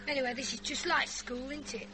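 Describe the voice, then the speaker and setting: A woman's voice: high-pitched, steady tone, brisk, noisy background, lightly acted. An actress playing a cheeky, rebellious fifteen-year-old girl with a Northern English accent, blunt and scornful, in a radio drama. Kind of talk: naturalistic radio drama acting.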